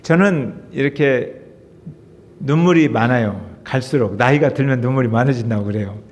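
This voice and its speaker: A man's voice: mid-range voice, normal speed, a little mellow. A middle-aged man, a pastor, preaching a sermon in an emotive, conversational way to his congregation. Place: church sanctuary. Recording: reverberant church hall.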